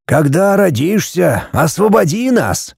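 A man voicing a calm, sorrowful old man with a grey beard who speaks in slow, measured, prophetic phrases. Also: high voice, gravelly, slightly rough, dry recording, clean studio sound, pitched above the performer's own voice, exaggerated voice. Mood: solemn.

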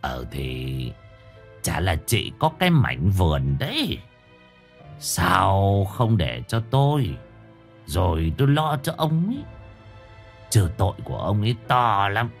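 A man's voice: deep voice, very animated, slow pace, vocal fry, pauses often, soft background music, heavily acted. A man voicing a sly, bullying village chief who barks and sneers. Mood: sly wheedling. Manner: barking, sneering.

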